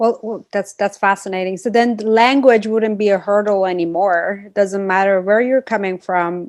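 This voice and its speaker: A woman speaks at medium pitch with an Iranian accent. Her pitch variation is ordinary, over a quiet background. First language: Farsi. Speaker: interviewer. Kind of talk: interview.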